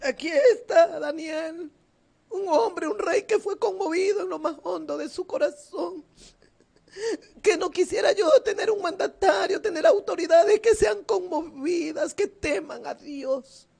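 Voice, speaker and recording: A woman preaching a fervent sermon while seated, her voice often tearful and at times rising into loud cries. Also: extremely high pitch, unhurried, gravelly. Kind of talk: emotional sermon. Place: seated indoors.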